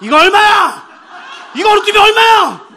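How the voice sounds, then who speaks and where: A man voicing an indignant old man shouting and demanding prices from restaurant staff. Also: very high voice, big pitch swings, measured pace, a little hiss or hum, voice pushed up, exaggerated voice. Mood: angry shouting.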